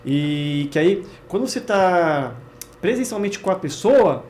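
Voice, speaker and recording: A man's voice: sits high, lively intonation, unhurried, darkish tone. A man with a Brazilian accent hosting an interview show, affirming his guest and summing points up with tag questions. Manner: affirming, sums up, tags questions with "né?". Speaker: host.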